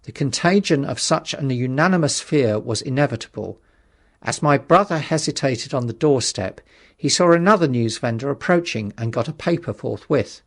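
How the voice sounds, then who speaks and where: A man narrating a literary audiobook in a measured, dramatic storytelling manner. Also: mid-range voice, animated.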